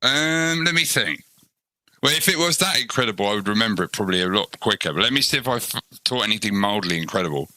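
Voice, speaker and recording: Male, very sharp forward tone, lowish pitch, dry wit in casual banter. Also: animated, fast talker, no room sound. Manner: dry, sarcastic. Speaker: English teacher on a live panel.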